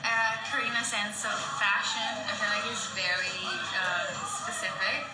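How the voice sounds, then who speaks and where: A woman with an Italian accent chatting casually, thoughtful and halting, often laughing. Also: medium pitch, steady tone. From Italy. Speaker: actress and guest. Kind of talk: casual chat. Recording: echoey room with TV music behind.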